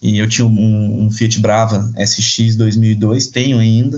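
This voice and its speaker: The man's voice is somewhat breathy and medium in pitch. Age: 20s. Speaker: Instagram page creator and car enthusiast. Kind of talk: casual interview.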